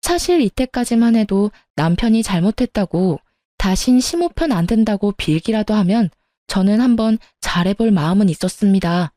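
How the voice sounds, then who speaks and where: A woman's voice: mid-range voice, dark tone, dry recording, studio quality. A woman narrating a first-person story in a blunt, indignant way.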